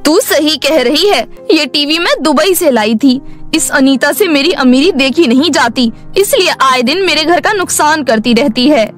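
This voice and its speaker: A woman's voice: high voice, expressive, a little slow, faint music behind. A woman voicing a cruel, haughty, short-tempered mistress of the house in a cartoon story, scolding and threatening. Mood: resentful. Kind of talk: animated moral story dialogue.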